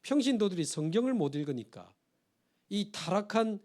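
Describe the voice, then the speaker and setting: A man's voice: high-pitched, sing-song, moderate pace, a little mellow. A middle-aged man, a pastor preaching a sermon in church, telling stories with acted quotes and building to emphatic appeals. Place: church sanctuary.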